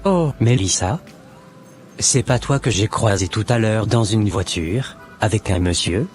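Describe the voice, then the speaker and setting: A man's voice: lowish voice, lively intonation, unhurried, a little mellow, soft background music. A man playing an earnest, solemn born-again Christian with a preachy, formal manner in an amateur cartoon. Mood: solemn, admonishing.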